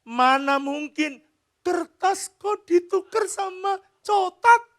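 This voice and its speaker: A man's voice: very high-pitched, animated, slow pace, fairly bright tone, voice pushed up, exaggerated voice. A man voicing a small girl who lisps and begs for chocolate. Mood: incredulous. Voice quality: childish lisp.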